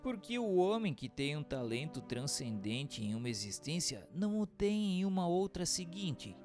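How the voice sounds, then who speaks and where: Brazilian guy doing formal scripted narration, lively pitch swings, faint music behind, teachy delivery. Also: moderate pace. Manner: formal, didactic. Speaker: narrator and questioner. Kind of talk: scripted narration, formal reading of spiritist text.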